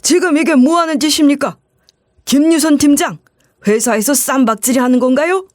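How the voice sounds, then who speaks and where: A woman's voice: high-pitched, moderate pace, no echo, clean studio sound, voice pushed up, lightly acted. A woman voicing a formal, commanding middle-aged man who chairs a company. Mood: stern.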